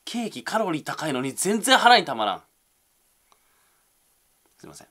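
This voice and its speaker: A man's voice: fairly high pitch, big pitch swings, moderate pace, sharp tone. A young man, reading viewer comments aloud on a casual livestream and answering them with self-deprecating, mumbled asides.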